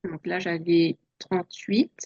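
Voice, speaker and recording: A soft-spoken woman in her forties, born in France, telling her story as an interview guest with many hesitations. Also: lowish voice, steady tone, unhurried, dull audio. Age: 40s. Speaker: podcast guest. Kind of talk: relaxed personal interview.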